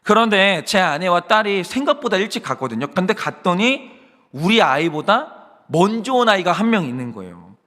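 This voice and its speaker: Male pastor, high and animated delivery, earnest confessional sermon, reverberant church hall. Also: normal speed. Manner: earnest, emphatic, rhetorical questions. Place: church sanctuary.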